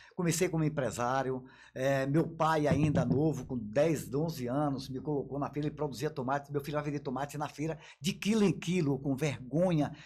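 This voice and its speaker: A man's fairly high, somewhat breathy voice at a moderate pace, in a very clean recording with a silent background. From Bahia, Brazil. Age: 60s. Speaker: politician, vice-mayoral candidate. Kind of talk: podcast interview.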